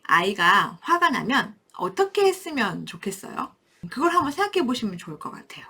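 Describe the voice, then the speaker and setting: A woman giving a parenting lecture to camera, explaining things warmly and acting out short quotes from parents and children. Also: a little high, sing-song, brisk, slightly rough. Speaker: parenting educator. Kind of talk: talking-head parenting lecture.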